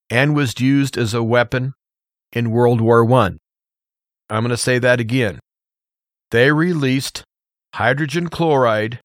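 An American man hosting a radio show, giving an opinion monologue in an emphatic, deliberate way with rhetorical questions. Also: medium pitch, fairly bright tone, dry recording, clean studio sound.

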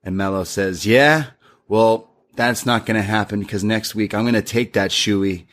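A young man casually recapping a wrestling show, retelling lines in a lively, animated way. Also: on the low side, normal speed. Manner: lively recap with acted-out quotes.

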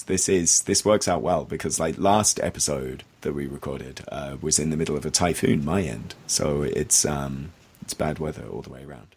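A very deep-voiced man hosts a casual podcast interview, his voice husky and rough from a recent cold. He talks in a friendly way, pausing now and then with small fillers. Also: a little mellow. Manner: friendly, lightly hesitant with fillers. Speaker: podcast host.

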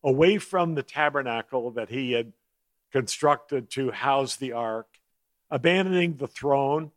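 A man preaching a sermon as a guest speaker, slowing down to lean on key words and clearing his throat now and then. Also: mid-range voice, dry recording. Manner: measured preaching with slowed emphasis on key words.

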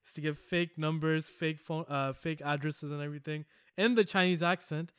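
A man chatting casually on a podcast, rambling through stories with frequent laughs and swearing. His voice sits a bit high for a man and sounds smooth, recorded close and dry. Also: steady tone, normal speed, fairly bright tone, no room sound. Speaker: podcast co-host. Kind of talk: casual chat.

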